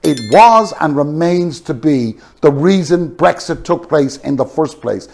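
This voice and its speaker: A man with a fairly high voice gives an opinionated political commentary. His pitch moves in lively, wide swings as he stresses his points. The delivery is emphatic and scornful, built around rhetorical questions. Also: unhurried, vocal fry. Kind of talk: opinionated monologue commentary on news.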